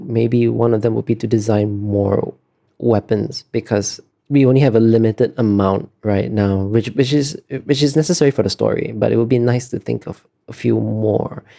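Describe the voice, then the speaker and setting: A man with a low voice and a noticeable creak answers interview questions casually. He speaks in a hesitant, thoughtful way, feeling out his words as he explains his work as an artist. The tone is on the mellow side.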